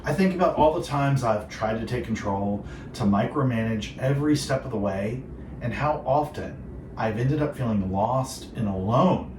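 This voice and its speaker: A man's voice: medium pitch, moderate pace. A man hosting a devotional Christian radio show, speaking in an earnest, reflective and polished way. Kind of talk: devotional radio talk with co-host. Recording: roomy echo, distant, clearly noisy.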